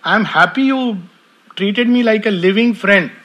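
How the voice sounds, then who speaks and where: Teasing friendly god, guy doing him in a story, kinda high, husky. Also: unhurried, lo-fi sound. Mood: playful. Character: playful, gentle male god Krishna.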